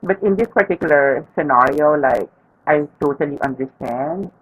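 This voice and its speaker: A trans woman, a physical therapist, telling candid personal stories as a podcast guest, reflective and soft-spoken. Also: low-pitched, lively intonation, normal speed, highs cut off. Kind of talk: personal storytelling in a podcast interview.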